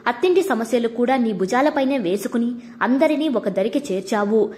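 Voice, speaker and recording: A caring but blunt woman friend from a storybook speaks frankly and presses with questions. A woman reads her aloud in her own voice, which sits a little high. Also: animated, normal speed, natural voice. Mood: probing. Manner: frank, probing.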